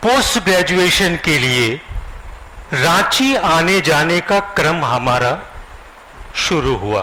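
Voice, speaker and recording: Over noticeable background noise, a man with a Telangana accent speaks with very wide pitch swings. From Andhra Pradesh, India. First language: Telugu (speaking Hindi). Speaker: writer. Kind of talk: interview.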